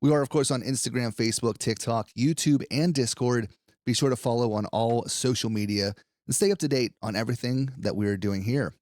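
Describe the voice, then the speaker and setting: A man's voice: medium pitch, brisk, a little mellow, dry recording, studio quality. A man hosting a horror podcast in casual chat, upbeat, laughing often and swearing freely. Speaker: podcast host.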